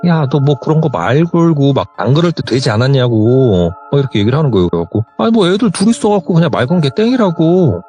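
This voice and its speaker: A man's voice: a little high, fast talker, few pauses, soft background music. A young man telling a true story in a phone interview, acting out the dialogue as he goes. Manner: animated retelling, quoting others in dialogue.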